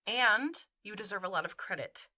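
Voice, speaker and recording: A woman's voice: medium pitch, expressive, normal speed, sharp tone. An actress playing a supportive, frank young woman in naturalistic audio drama dialogue. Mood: encouraging.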